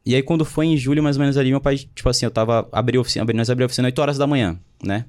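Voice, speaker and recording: A man's voice: mid-range voice, steady tone, rapid-fire, darkish tone. A young man in his twenties, casually telling his life story in a slangy way, often quoting what others said. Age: 20s. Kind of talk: casual chat.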